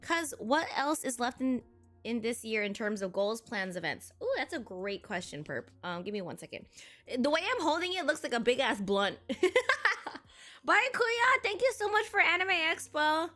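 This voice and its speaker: Filipino-american girl streaming, high bright voice, cussing n laughing a lot. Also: big pitch swings, moderate pace, faint music behind. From Filipino heritage. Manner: blunt and profane, frequent laughter. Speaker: live streamer. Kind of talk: casual live-stream chat.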